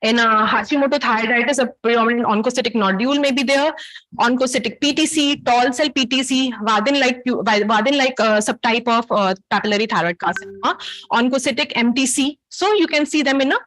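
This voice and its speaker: A woman's voice: fairly high pitch, fairly quick, fairly bright tone, low-quality recording. A woman with a South Asian accent giving an interactive academic lecture as a medical teacher, in a didactic manner that puts questions to her listeners.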